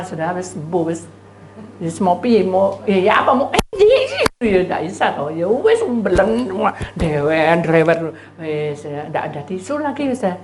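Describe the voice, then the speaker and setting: A middle-aged woman pastor, telling a chatty, animated story in a sermon and acting out both sides of the dialogue. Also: fairly low pitch, roomy sound, noisy background. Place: church.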